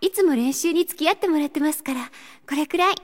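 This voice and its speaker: A woman playing a gentle, earnest high-school girl in an anime audio drama, speaking softly and politely. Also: fast talker, close to an everyday voice. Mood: shy, gentle. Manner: soft-spoken, polite, earnest.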